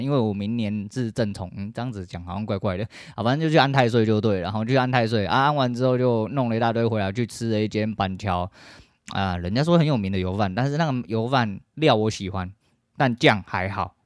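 Fast-talking, foul-mouthed podcast guy. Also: fairly low pitch, no echo, studio quality. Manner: rambling, profane, laid-back. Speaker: podcast host. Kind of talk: casual monologue.

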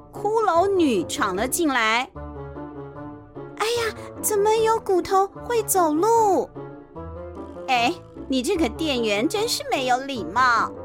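A woman with a Taiwanese accent narrating a children's bedtime story expressively, with playful asides. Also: high-pitched. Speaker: children's storyteller, podcast host. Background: clear background music.

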